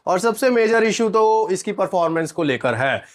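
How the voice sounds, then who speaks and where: A man's voice: sits high, big pitch swings, moderate pace. A man hosting a casual product review vlog with a sore throat, chatting viewers through a live test. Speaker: product reviewer, channel host.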